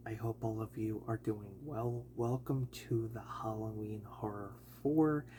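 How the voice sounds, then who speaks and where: A man gives a casual film review in a slightly raspy voice, worn down by allergies. He talks slowly and in a low register, wandering off with fillers and correcting himself as he goes. A faint hum sits under the recording. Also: steady tone, dark tone. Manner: rambling, many fillers and self-corrections.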